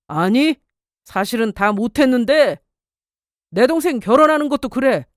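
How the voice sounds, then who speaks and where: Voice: mid-range voice, expressive, normal speed, no room sound, studio quality, lightly acted. A voice actor playing a cold young husband who blames his wife in a radio drama. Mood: scornful. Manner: cold, accusing.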